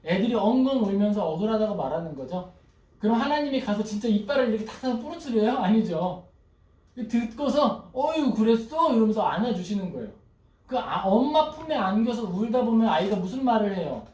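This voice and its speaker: A man's voice: sits high, lively intonation, fast, mellow. A male pastor preaching a sermon who asks the congregation questions and acts out pleading prayers. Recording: echoey hall, voice from a distance.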